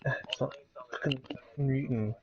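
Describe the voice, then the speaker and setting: A man co-hosting a live stream, relaxed and quick to laugh. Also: mid-range voice, dull audio, noisy background. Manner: relaxed, laughs easily, swears. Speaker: stream co-host. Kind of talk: casual live stream banter.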